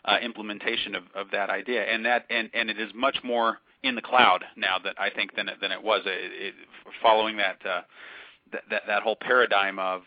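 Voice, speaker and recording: A man co-hosting a podcast, explaining science news thoughtfully, often pausing and restarting his sentences. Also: lowish voice, little pitch movement, dry recording. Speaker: podcast co-host. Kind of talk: casual discussion of science news. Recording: dull lo-fi call audio.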